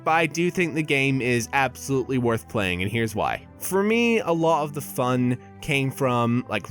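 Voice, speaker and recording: A man reviewing a video game in a casual, opinionated and conversational way. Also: medium pitch. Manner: opinionated, conversational, with small restarts.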